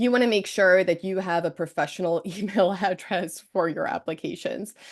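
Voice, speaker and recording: A woman with a plain, everyday voice speaks at a medium pitch and a moderate pace, with ordinary pitch variation. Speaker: college admissions and test prep tutor. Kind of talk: workshop presentation. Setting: virtual library workshop.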